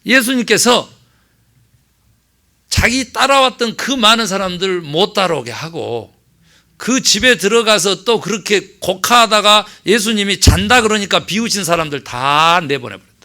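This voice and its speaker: Lively, gravelly male pastor preaching. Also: sits high, moderate pace. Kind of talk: sermon.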